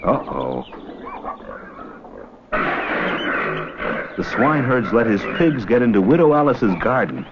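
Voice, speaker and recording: Slow and pausing often, a man with a lowish, very animated voice delivers scripted narration for an educational documentary. The audio is from an old 16mm film track, muffled and faintly noisy.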